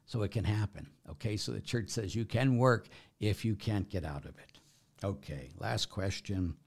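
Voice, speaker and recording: A man with a fairly low voice and a clear gravelly creak speaks as a Catholic priest. He answers questions and teaches about faith informally. His delivery is conversational and emphatic, punctuated by short check-ins with his listeners. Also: normal speed. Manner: conversational and emphatic, often checking with "okay?" and "right?".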